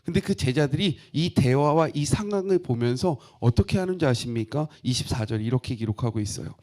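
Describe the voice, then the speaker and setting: A man's voice: medium pitch, lively intonation, a little fast, a little mellow. A middle-aged man preaching a Bible sermon, asking the congregation questions and acting out the disciples' lines in blunt everyday speech. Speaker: pastor.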